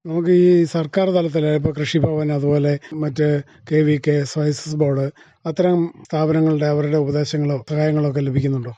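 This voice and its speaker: A man's voice: a little high, level tone, a little fast, dark tone, no echo. A man, asking questions as a radio interviewer. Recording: dull, muffled radio recording.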